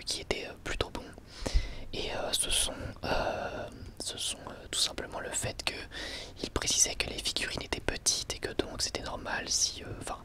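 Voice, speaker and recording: Soft ASMR whisperer. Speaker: ASMR video host. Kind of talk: whispered ASMR product presentation.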